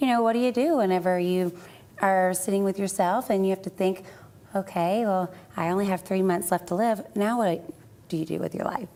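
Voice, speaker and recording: A woman's dark, mellow tone at medium pitch, in a Southern Alabama accent, with ordinary pitch variation at a moderate pace. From North Alabama. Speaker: children's book author. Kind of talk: TV news interview. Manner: cheerful.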